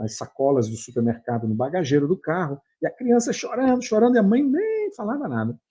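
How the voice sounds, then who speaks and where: A man's voice: high-pitched, dark tone, slightly rough. A Brazilian man with a Brazilian Portuguese accent, a therapist giving an earnest motivational talk full of anecdotes and repeated "né?" tags.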